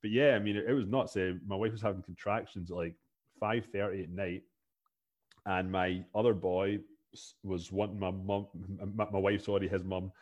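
A man with a Scottish accent talks as a guest on a podcast, his voice sitting fairly low. He is in his thirties and chats freely, often repeating a word before his sentence gets going. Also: steady tone, normal speed, a little mellow, highs cut off. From Scotland. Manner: chatty, repeats words when starting sentences. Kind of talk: casual interview chat.

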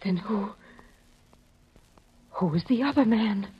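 An actress playing an anxious, frightened wife in a 1950s radio science fiction thriller, with tremulous, hesitant delivery. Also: female voice, medium pitch, animated, takes it slowly. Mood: frightened, hushed. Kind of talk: 1950s radio drama acting. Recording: dull, noisy 1950s radio recording.

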